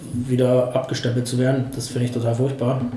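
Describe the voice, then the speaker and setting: Audible room echo and noticeable background noise behind a man speaking. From eastern Germany, Brandenburg (Uckermark). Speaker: street youth worker. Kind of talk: interview conversation. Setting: office.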